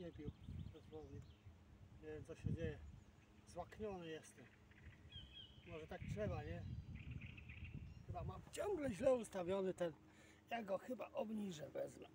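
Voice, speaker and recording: A Polish man in his sixties, with a high voice, sits in a boat on open water and chats casually to the camera while fishing, rambling and muttering self-deprecating remarks to himself. The outdoor recording uses a distant mic, and background noise is clearly audible.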